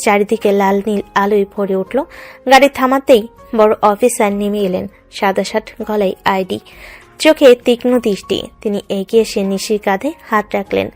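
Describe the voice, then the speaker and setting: A woman's voice: mid-range voice, fairly even intonation, moderate pace. A woman reading dramatic scripted narration for a love story. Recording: music under the voice.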